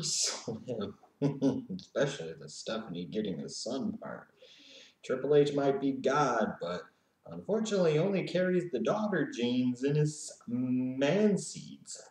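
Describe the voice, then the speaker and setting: A man hosts a casual Q&A, reading out viewer questions and cracking jokes with frequent laughter. His voice sits a little low. It rings with the echo of the room around him. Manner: joking, laughing, mocking. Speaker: host. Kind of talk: casual Q&A commentary.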